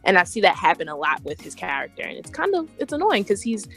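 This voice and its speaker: A woman's voice: mid-range voice, huge pitch swings, fast talker, a bit bright, soft background music. A woman guest on a discussion podcast, giving her opinions casually in a frank, emphatic way. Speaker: podcast guest, fanfiction writer.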